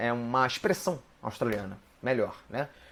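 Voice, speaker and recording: A silent background and very clean recording, with very wide swings in pitch. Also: man. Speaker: school teacher. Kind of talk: recorded lesson. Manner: fast; hesitant fillers.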